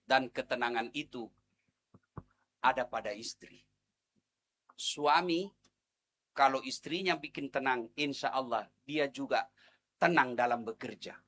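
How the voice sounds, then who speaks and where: A middle-aged man preaching a humorous sermon to a crowd, animated, acting out wives and husbands and breaking into song. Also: medium pitch, measured pace, long pauses. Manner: animated, acts out wives and husbands, sings snippets.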